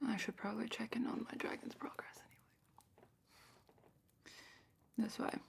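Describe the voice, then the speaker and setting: A woman playing a gentle, knowledgeable dragon keeper in a fantasy ASMR roleplay, speaking in a hushed, breathy, unhurried way that often drops into a whisper. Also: a little high, flat delivery. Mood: soft, inviting. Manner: hushed, unhurried, careful explaining.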